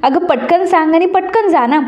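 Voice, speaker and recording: A woman's voice: extremely high pitch, moderate pace, lo-fi sound, voice pushed up. A woman voicing an eager, impatient young husband in a retold soap story. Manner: eager, pressing.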